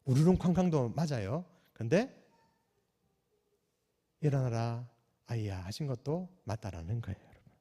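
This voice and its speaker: Animated male pastor preaching in a reverberant church. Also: medium pitch, a little fast, slightly rough. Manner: animated preaching, rhetorical questions to the congregation; swings from loud calls to soft near-whispers. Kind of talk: sermon at a night prayer meeting. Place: church sanctuary. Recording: long church hall reverb.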